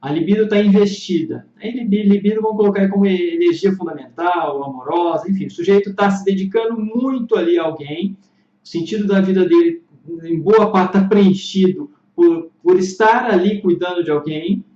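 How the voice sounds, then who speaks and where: Thoughtful higher-voiced man, roomy sound. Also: moderate pace, warm tone, dull audio. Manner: thoughtful, searching for words, frequent restarts. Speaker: psychotherapist vlogger. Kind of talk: reflective explanatory monologue.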